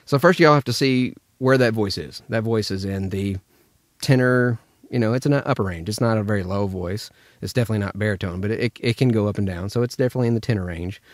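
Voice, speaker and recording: A man's voice: lowish voice, fast, dry recording, clean studio sound. A man with an American accent, chatting casually as a voice actor giving a tutorial. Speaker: voice actor teaching impressions.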